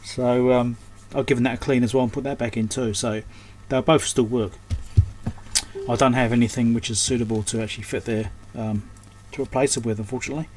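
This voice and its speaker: A man's voice: medium pitch, fairly even intonation, a little fast, a little mellow. A man giving unscripted hands-on repair commentary, thinking aloud in short, muttered fragments as a technician at his bench. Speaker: electronics repair technician and host. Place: indoors at an electronics repair workbench.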